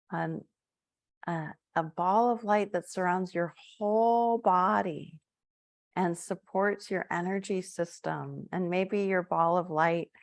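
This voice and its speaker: A woman leading a live-streamed guided meditation, talking softly and gently with drawn-out phrases. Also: on the low side, creaky, no echo, clean studio sound. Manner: soft, slow guiding with drawn-out phrases and fillers.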